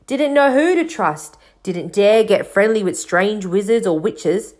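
A woman voicing a big, gruff, kind-hearted man with fiery feeling and folksy, rambling, colloquial speech in a storybook reading. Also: mid-range voice, animated, measured pace, darkish tone, lightly acted. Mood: grave, reluctant.

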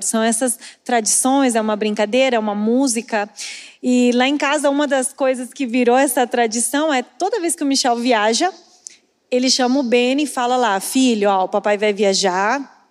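A woman's voice: fairly high pitch, darkish tone. A woman sharing a chatty family story during a church service, with many fillers. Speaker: pastor's wife, co-preacher. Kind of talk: sermon testimony. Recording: church hall reverb.

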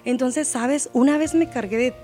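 A woman's voice: high voice, normal speed, dark tone, soft background music. A woman singer giving a heartfelt personal testimony in a Christian podcast interview, with English words mixed into her Spanish. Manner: heartfelt, emotional storytelling, mixes English words.

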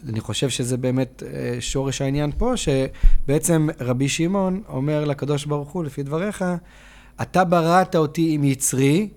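A young man discusses religious texts with his father on a podcast. His voice sits a little high, and he speaks in a measured, thoughtful way, pausing on fillers. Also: steady tone, a little mellow. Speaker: podcast co-host, son.

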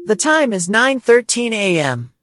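A cheerful cartoon owl, high-pitched and chirpy. It swoops playfully through its answers as a quirky voice assistant for kids, in a dry, close recording. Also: female voice, big pitch swings, a little slow, fairly bright tone, no echo. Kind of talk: voice assistant character replies for children.

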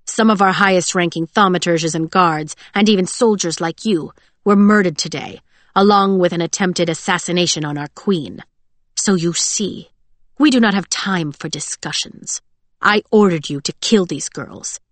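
A woman's voice: on the low side, normal speed, dry recording, lightly acted. A woman voicing a cold, contemptuous male official in an audiobook, clipped and imperious. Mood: cold menace.

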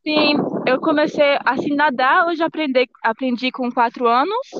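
A woman's voice: high-pitched, moderate pace, no room sound, dull audio. A teenage girl with a Bahian Brazilian accent, chatting casually as an interview guest and searching a little for her words. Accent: Bahian Brazilian Portuguese. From Brazil and Germany. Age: young teenager, fourteen.

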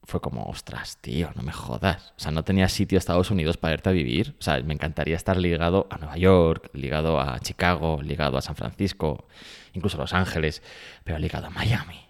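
Spanish man from Spain, very low voice, rambling podcast co-host, chatty and casual. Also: quick pace. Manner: chatty, rambling, self-interrupting. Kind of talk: casual chat. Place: small home studio with some echo.

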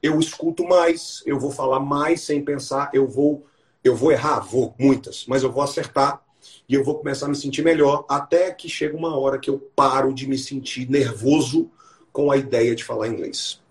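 A man who teaches English, hosting a live podcast chat and explaining his method with lively stories. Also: mid-range voice, moderate pace. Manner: explanatory, enthusiastic storytelling.

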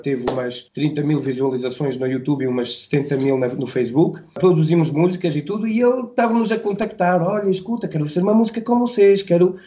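A man from Belgium, a native French speaker, talking in Portuguese with a French accent as a music producer on a radio interview, with halting starts and acted-out quotes. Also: fairly high pitch, mellow, lo-fi sound. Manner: halting, restarts words, acts out quoted dialogue.

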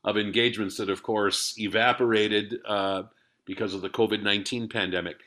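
A man hosting an interview, asking measured, courteous questions. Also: on the low side, fairly even intonation, sharp tone. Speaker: radio interviewer host.

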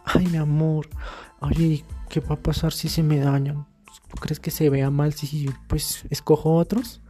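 Una chica vanidosa y caprichosa, que una mujer interpreta, habla muy aguda, con quejidos alargados y melosos. Presume sin parar y suspira a cada frase. Se oye una música suave de fondo. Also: female voice, low-pitched, flat delivery, dark tone, soft background music, pitched above the performer's own voice. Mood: whiny, sweet. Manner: whiny, drawn-out sighs of "ay, mi amor". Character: vain materialistic young woman, showing off. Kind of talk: comedic sketch voicing.

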